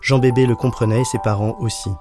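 A man reading a children's story aloud in a playful, lively way. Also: medium pitch, fast talker. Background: music.

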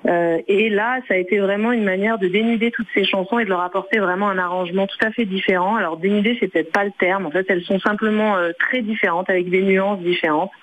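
A woman's voice: medium pitch, steady tone, fast talker, hardly any pauses, narrow, tinny audio, a little hiss or hum. A woman, a singer whose first language is Arabic, answering radio interview questions in a hesitant way, with many fillers and restarts. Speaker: singer and musician guest.

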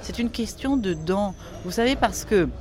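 A woman's voice: mid-range voice, lively intonation, moderate pace, soft background music, close to an everyday voice. A woman voicing a cautious young woman who speaks hesitantly while reading a novel aloud. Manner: hesitant, quiet.

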